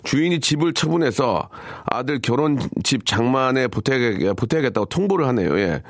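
A man's voice: medium pitch, sing-song, normal speed, no room sound. A man hosting a live radio call-in show, chatting with a caller and reading out listener texts. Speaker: radio host. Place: radio studio.

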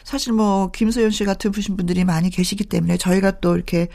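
A woman's voice: mid-range voice, steady tone, fast talker, creaky, warm tone. A woman hosting a radio show, chatting casually and laughing often. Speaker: radio host.

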